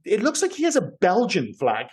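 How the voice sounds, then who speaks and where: A British man co-hosts a film podcast in loose, rambling chat. His voice sits slightly high for a man, and he drops in the odd swear word as he wanders through his points. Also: wildly swooping pitch, brisk, darkish tone, slightly rough. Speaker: podcast co-host.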